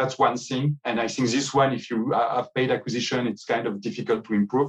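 A French accent at a fairly quick pace. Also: man. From France. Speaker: app co-founder and product officer. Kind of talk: casual interview chat.

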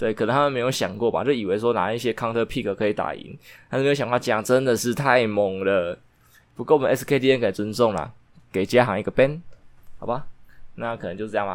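A plain, everyday voice with ordinary pitch variation at a fairly quick pace, in a very clean recording with a silent background. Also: man. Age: 20s. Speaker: podcast host. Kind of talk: casual solo monologue.

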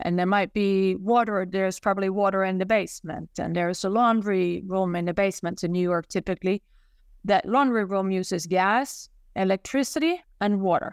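A woman speaks in a Swedish accent at a medium pitch. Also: fairly even intonation, moderate pace, very clean recording, silent background. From Sweden. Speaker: author and building cost auditor. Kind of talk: interview.

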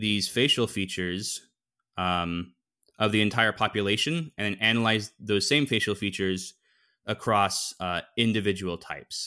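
Recorded very cleanly over a silent background, a man speaks at a fairly low pitch in a bright, sharp tone. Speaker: podcast host. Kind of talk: casual chat.

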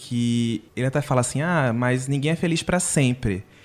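A man speaks in a Pernambuco accent at a medium pitch. His pace is fairly quick. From Recife, Pernambuco, Brazil. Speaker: journalist. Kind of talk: casual chat.

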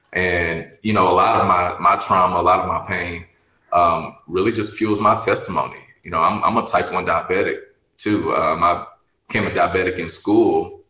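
A man with an American accent speaks at a moderate pace, with audible room echo. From Louisville, Kentucky (West End). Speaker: politician. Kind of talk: interview conversation.

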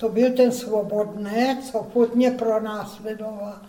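A woman talks at a fairly slow pace with fairly even intonation. The recording has noticeable background noise and audible room echo. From Moravia, Czechia (Hodonín near Kunštát). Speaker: witness recounting wartime memories. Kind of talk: oral history testimony.

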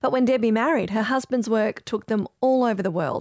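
Recorded very cleanly against a silent background with a dry, close sound and no echo, a woman speaks at a very fast pace in a fairly high pitch with ordinary pitch variation. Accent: Australian. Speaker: podcast host. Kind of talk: scripted narration and interview.

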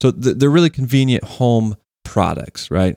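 A man with an American accent, a dark, mellow tone, and a dry, close sound with no echo in a very clean recording with a silent background. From US South, Georgia. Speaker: podcast co-host. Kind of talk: casual discussion podcast.

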